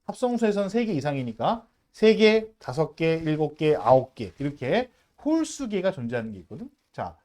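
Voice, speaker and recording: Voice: medium pitch, a little mellow. A math teacher giving a casual lecture to middle school students, chatty and emphatic, constantly checking in with rhetorical questions and drilling them to say terms aloud.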